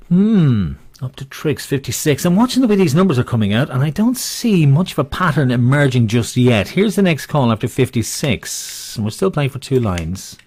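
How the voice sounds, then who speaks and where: A man with a husky voice acts as bingo caller and host. His pitch swings in a lively way as he calls numbers with rhyming nicknames, drifting into jokey, rambling chat between calls. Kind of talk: bingo calling with rhyming nicknames, casual banter.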